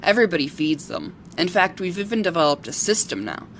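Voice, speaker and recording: A woman playing a kindly local who befriends forest creatures in an audio drama, talking in a gentle, earnest, storytelling way. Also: lowish voice, big pitch swings, brisk, a little hiss or hum. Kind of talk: amateur audio drama acting.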